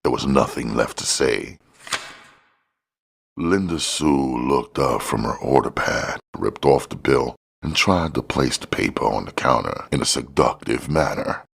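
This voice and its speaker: A man's voice: extremely low pitch, a little slow, gravelly, husky. A man reading crime fiction aloud as scripted audiobook narration.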